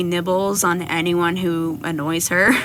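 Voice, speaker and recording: Over noticeable background noise, a woman speaks at a fairly slow pace with medium pitch. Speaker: digital artist. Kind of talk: casual voiceover narration of art process. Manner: hesitant, some stuttering.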